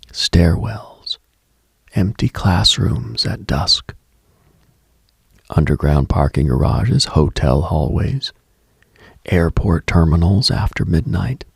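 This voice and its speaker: A man hosting a late-night mystical radio monologue in a hushed, husky, gravelly voice, deliberate and brooding, with pauses, close on the mic. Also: animated, no room sound. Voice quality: husky, breathy, gravelly low voice.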